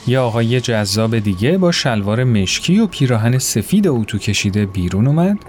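A man narrating a story in an expressive, acted-out way. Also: medium pitch, a little hiss or hum. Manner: expressive, voices characters.

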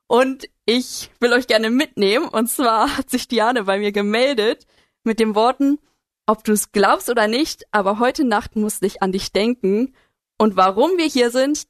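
A woman's voice: on the high side, a little slow, no room sound, studio quality. A woman hosting a casual podcast interview, welcoming listeners and chatting with her guests. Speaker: podcast host.

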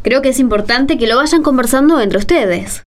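A woman with an Argentine accent playing a patient, encouraging schoolteacher in a radio drama, speaking politely and in measured explanations. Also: high voice, animated. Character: patient, encouraging woman seventh-grade schoolteacher leading parents' meeting.

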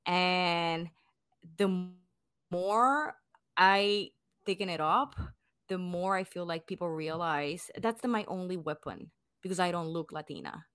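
A woman's voice: lowish voice, lively intonation, unhurried, a bit bright, smooth, dry recording. A young woman from Puerto Rico with a Puerto Rican accent, Spanish her first language, talking casually and animatedly in an interview with many restarts. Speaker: guest.

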